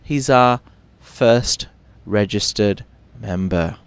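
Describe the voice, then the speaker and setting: Speaking extremely slowly in a lowish, clean voice with no room sound, a British man hosts a morning TV show. He chats about the news casually, mocking himself, with fillers and restarts.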